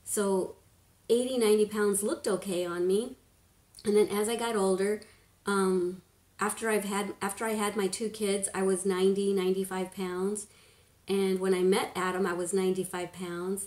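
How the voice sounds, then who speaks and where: A beauty vlogger in her fifties hosts a casual live stream from her living room, rambling, laughing often, occasionally dropping to a hush and reading out comments. Her mid-range voice is flat and at normal speed, picked up by a webcam at desk distance in an echoey indoor room.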